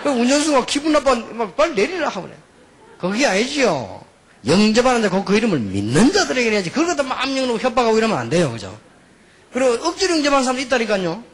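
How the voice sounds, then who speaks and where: A middle-aged man preaching a sermon, telling stories and swinging between quiet asides and emphatic outbursts. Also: very high voice, very animated, fast. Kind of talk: sermon with anecdotes.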